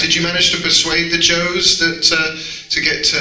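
A man speaks at a moderate pace. Room echo is audible, along with light background noise. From Britain. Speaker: interviewer. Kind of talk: posh, refined. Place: hall.

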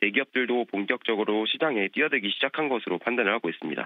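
A man speaks with ordinary pitch variation. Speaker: securities analyst. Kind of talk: phone interview on stock analysis. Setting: phone call. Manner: halting, many fillers.

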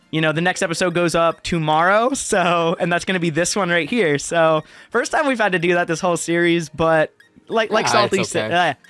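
A man's high-pitched voice with ordinary pitch variation and very even loudness, dry with no echo, over faint background music. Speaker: gaming video co-host. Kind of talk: casual gaming commentary. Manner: fast talker. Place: home room.

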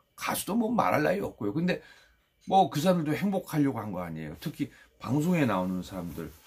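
At a very fast pace, a man with a fairly high pitch speaks with very wide pitch swings. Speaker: former comedian turned counseling psychology professor. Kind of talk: live-stream monologue. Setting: live stream. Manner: serious, subdued. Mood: earnest, reflective. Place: home room. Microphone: phone near.

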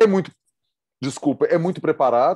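A man talks fairly quickly over a quiet background. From Brazil. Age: 40s. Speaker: political commentator. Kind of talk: casual chat. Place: home room. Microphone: studio mic.

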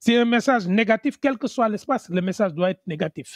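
A man talks at a fairly quick pace in a high pitch. The sound is dry with no echo, and the background is quiet. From Senegal. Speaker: griot, writer and playwright. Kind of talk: interview answer. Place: home room. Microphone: headset.

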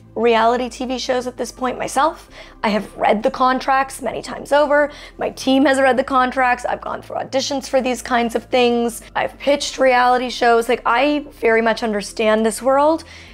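Faint music plays behind a woman with a high pitch. She speaks at a moderate pace with fairly even intonation. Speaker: video creator. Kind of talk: casual vlog chat. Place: home room. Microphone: lapel.

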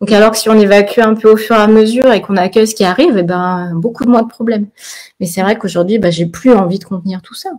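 A woman at a very fast pace, with big swings in loudness over a quiet background. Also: fairly high pitch for a woman, ordinary pitch variation. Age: 40s. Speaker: Bach flower therapist; live stream co-host. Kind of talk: live stream conversation. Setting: live video stream. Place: home room. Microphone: webcam.

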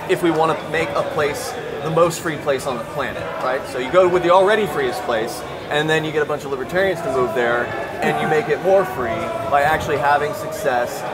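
Over loud background music, a man talks at a fairly quick pace with ordinary pitch variation. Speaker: interviewee, radio host. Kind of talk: interview answer. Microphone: lapel.

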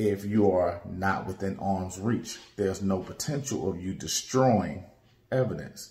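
A man with an American accent speaks at a fairly slow pace in a fairly low, somewhat breathy voice with a dark, mellow tone and ordinary pitch variation. Audible room echo surrounds him. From Missouri. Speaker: legal commentary youtuber; legal commentary vlogger. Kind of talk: monologue. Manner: casual, conversational. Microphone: phone near.

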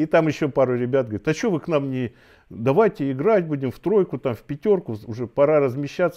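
The speech moves at a fairly quick pace with lively intonation. The background is quiet. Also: man. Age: 60s. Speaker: numerologist; numerology teacher. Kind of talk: interview. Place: home room.

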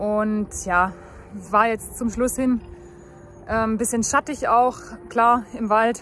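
Music plays in the background as a woman speaks. Her intonation is monotone and flat. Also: dry sound with no echo. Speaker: hiking vlogger. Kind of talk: casual vlog chat. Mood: relaxed, reflective. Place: open country. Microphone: phone near.

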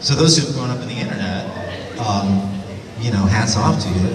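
There is noticeable background noise and audible room echo as a man with an American accent speaks at a fairly quick pace and a fairly low pitch. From United States. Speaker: voice actor. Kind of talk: convention panel Q&A answer. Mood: reflective, light humor. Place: hall.

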